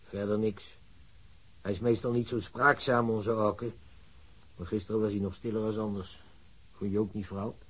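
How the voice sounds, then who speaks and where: An actor in a Dutch radio drama playing a plain-spoken, quietly bitter older father. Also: on the low side, flat delivery, moderate pace, pauses often, husky, low-quality recording. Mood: subdued.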